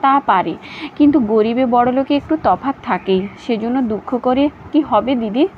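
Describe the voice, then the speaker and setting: A woman voicing a teasing, quick-tongued young wife, in a slightly dull recording with faint hiss. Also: a little high, lightly acted. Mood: pert. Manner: pert, lively retorts.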